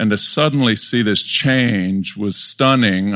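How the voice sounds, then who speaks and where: A man with an American accent talks at a fairly slow pace in a fairly low pitch, using an ordinary speaking voice. The background is quiet. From South Korea (American missionary family). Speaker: missionary. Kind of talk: talk to a men's breakfast group. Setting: live audience in a restaurant.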